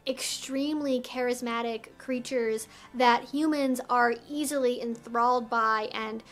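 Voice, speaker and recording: A woman hosting an educational video, explaining things to the viewer in a measured, articulate and instructive way. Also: on the high side, fairly even intonation, fairly bright tone.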